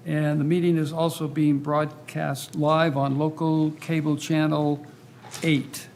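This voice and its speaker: Higher-pitched, creaky-voiced man chairing a meeting. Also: level tone, slow pace, darkish tone. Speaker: commission chair. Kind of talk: running a public meeting, semi-formal. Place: town hall meeting room. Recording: meeting room with faint noise.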